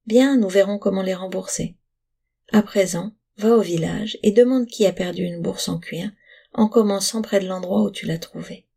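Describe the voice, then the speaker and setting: A woman voicing a patient, wise mother who speaks calmly and firmly to her son, in a storybook reading. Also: mid-range voice, normal speed, creaky, slightly rough. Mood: gently firm. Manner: calm, gently firm.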